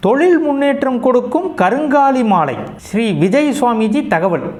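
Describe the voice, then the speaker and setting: High, lively sarcastic comedy news man. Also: moderate pace, slight background noise. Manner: reads headlines, then mocks them with sarcastic asides. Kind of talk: satirical news reading with quips.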